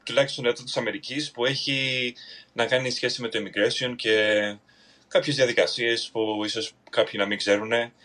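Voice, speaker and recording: A man from Greece talks casually over a video call, his voice at an ordinary middle pitch. He speaks hesitantly, stopping and restarting often, with plenty of fillers. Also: steady tone, sharp tone. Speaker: podcast guest. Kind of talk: casual podcast chat.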